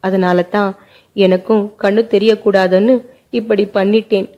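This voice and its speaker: A woman's voice: mid-range voice, level tone, moderate pace, warm tone, lo-fi sound, lightly acted. A woman voicing a loving, grief-stricken young woman who speaks through tears in a told family story. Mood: despairing. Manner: tearful, despairing delivery. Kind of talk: storytelling narration.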